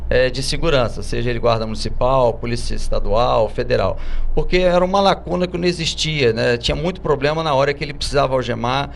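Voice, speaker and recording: A Brazilian man with a gravelly, fry-edged voice, speaking at an ordinary middle pitch. He explains his work to a TV host in an earnest, steady way. There is a faint hiss under the recording. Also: quick pace. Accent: Brazilian Portuguese. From Espírito Santo, Brazil. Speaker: police tactics instructor, guest. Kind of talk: live TV interview.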